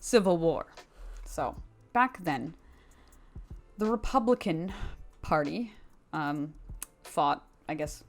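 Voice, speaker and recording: A woman's voice: low voice, lively intonation, takes it slowly, long pauses, faint music behind. A woman giving casual, opinionated commentary to viewers in an informal, slangy and emphatic way. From Canada. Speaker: video commentary host.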